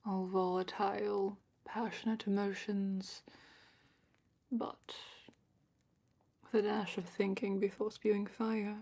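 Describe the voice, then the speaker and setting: A woman playing a gentle, knowledgeable dragon keeper in a fantasy ASMR roleplay, speaking in a hushed, breathy, unhurried way that often drops into a whisper. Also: medium pitch, little pitch movement. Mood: soft, thoughtful. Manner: hushed, unhurried, careful explaining.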